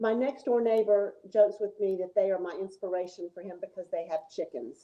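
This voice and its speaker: Using a slight Southern US accent, a woman talks at a fairly quick pace and medium pitch, with ordinary pitch variation and big swings in loudness. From Mississippi, US South. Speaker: painter. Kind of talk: live interview.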